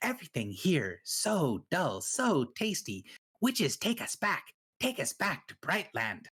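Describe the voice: In a shrill, put-on character voice at middle pitch, the speaker talks at a fairly slow pace.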